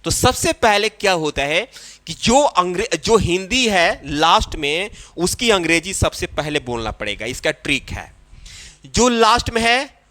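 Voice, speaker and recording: A man with a Hindi-influenced English accent explains English phrases in a slow classroom manner. His voice is high and bright. He drills each phrase by saying it again, drawn out. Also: very animated. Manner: repeats phrases slowly, drawing out English words. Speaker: spoken English teacher.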